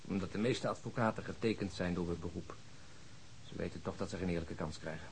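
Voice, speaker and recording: An actor playing an impatient, sardonic, world-weary police detective in a radio drama, blunt in manner. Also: male voice, deep voice, a little fast, slight background noise. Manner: blunt, dryly sarcastic.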